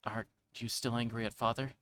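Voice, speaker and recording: An earnest, worried teenage big brother from a visual novel, played by a man reading aloud. He sounds caring and concerned, over clear background noise. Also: medium pitch, flat delivery, brisk, a bit bright, close to an everyday voice. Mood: gently concerned.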